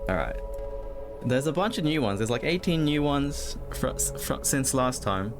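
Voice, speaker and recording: A man livestreaming a horror game, moving between casual chat with viewers and reading story text aloud, often halting and repeating words when he chats. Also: medium pitch, lively intonation, over music. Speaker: livestreamer, host of a spooky game stream.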